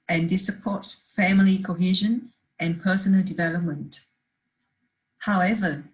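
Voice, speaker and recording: A woman's voice: fairly low pitch, darkish tone, low-quality recording. A woman presenting a research paper at a conference, reading steadily from prepared slides with the odd restart.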